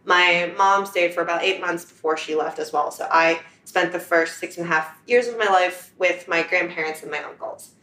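A woman from China speaks as an interview guest, thoughtful and conversational as she tells her story. Her voice sits a little low. The apartment around her gives the sound a roomy echo. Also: moderate pace, hardly any pauses, pushed and bright. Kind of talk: casual conversation. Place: apartment in New York.

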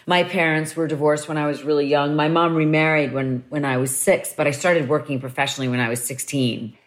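A woman with a low-pitched voice hosting a relaxed conversation. She asks about her guest's life and answers with candid personal stories. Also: fairly quick. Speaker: podcast host. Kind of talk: casual conversational interview.

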